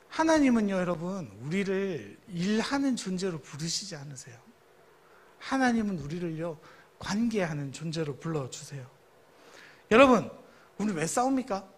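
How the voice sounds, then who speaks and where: A man's voice: sits high, breathy edge. A man in his thirties, a youth pastor, preaching a sermon in a storytelling way and asking the congregation questions.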